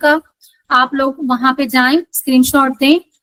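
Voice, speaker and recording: The speaker is a woman. The sound is dry and close, with no echo. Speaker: online course instructor. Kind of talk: live online workshop session.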